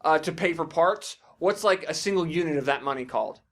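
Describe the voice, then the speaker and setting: A man hosting a podcast, casually playing a word-guessing game with animated, swearing banter. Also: fairly high pitch, brisk. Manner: foul-mouthed, animated banter. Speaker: podcast host.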